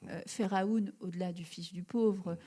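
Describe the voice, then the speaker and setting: A woman from Algeria in her thirties speaks as a guest at a public talk, thinking aloud with frequent pauses and restarted phrases. Her voice sits at a middling pitch with a soft, mellow tone. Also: fairly even intonation, slightly rough. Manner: thoughtful, many fillers and restarts. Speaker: writer, interview guest. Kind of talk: live public interview. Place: event hall before an audience.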